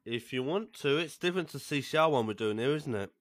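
A man's voice: medium pitch, lively intonation, quick pace, no echo, clean studio sound. A man, co-hosting a podcast in a rambling, hesitant way, often trailing off mid-thought. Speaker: podcast co-host. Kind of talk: casual chat.

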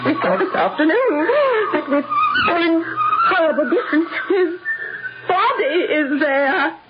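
An actress in a 1970s radio drama playing a formal, horror-struck cousin in a macabre tale. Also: female voice, high voice, animated, unhurried, over loud music. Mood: horrified. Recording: muffled, noisy radio broadcast.

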